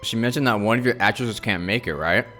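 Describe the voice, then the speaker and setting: A man's voice: lowish voice, fast talker, pushed and bright. A man doing casual livestream game commentary, joking and blunt. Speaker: game streamer. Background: game music.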